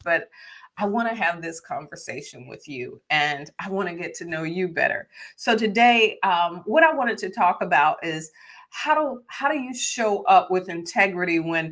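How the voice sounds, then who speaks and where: A woman with a medium pitch speaks in an animated tone. Her pitch swings very widely and her loudness rises and falls sharply. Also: moderate pace. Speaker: emotional wellness coach. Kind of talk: live stream talk.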